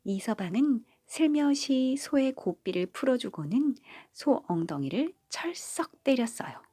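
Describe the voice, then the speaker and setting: Breathy, lively woman storyteller. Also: high-pitched, a little slow, no room sound, clean studio sound. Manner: gentle, motherly storytelling. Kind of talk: bedtime folk-tale narration. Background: faint background music.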